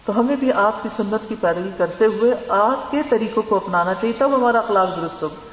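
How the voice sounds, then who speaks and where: Woman teacher giving earnest religious advice, roomy hall echo, kinda dull lo-fi sound. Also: mid-range voice. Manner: earnest, advising, mixes in English words. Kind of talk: religious lecture.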